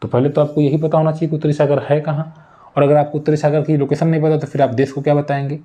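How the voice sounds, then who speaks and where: A man's voice: a little high, flat delivery, fast talker, mellow. A man with a Hindi accent teaching an exam-prep geography lesson on a map, drilling country names again and again and speaking straight to his viewers.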